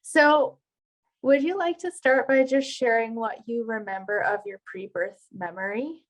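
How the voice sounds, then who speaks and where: A woman's voice: fairly high pitch, measured pace, highs cut off. A woman hosting an interview podcast, talking in an effusive, emphatic and enthusiastic way. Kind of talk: enthusiastic interview and channel introduction.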